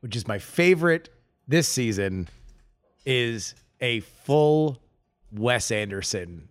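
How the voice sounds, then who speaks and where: Halting man chatting on a podcast. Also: medium pitch, animated. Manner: halting, many filler words and restarts. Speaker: podcast co-host. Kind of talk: casual chat.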